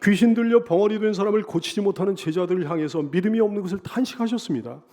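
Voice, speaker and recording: A man preaching a Sunday sermon as a pastor. He repeats phrases and asks rhetorical questions, building loud on key lines and dropping low on others. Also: rapid-fire. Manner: emphatic repetition and rhetorical questions.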